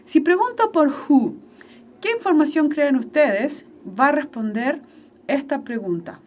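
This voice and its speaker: A woman with a Chilean Spanish accent teaches an online English class, slow and patient, repeating each word for her students. Her voice is high and animated with a darkish tone.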